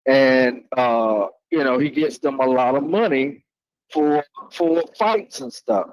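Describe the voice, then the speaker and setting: Man, casual talker, slow, halting, roundabout, mid-pitched, dry recording. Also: no room sound, rough recording. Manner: halting, roundabout, peppered with "you know". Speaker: panelist asking a question. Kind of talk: casual chat.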